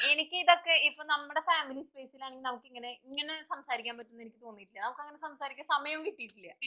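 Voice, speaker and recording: Projecting her voice, a woman speaks at a high pitch with ordinary pitch variation. Her loudness swings widely. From Chennai, then rural Thrissur, Kerala. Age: young. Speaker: literature student and news reader. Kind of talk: casual interview chat.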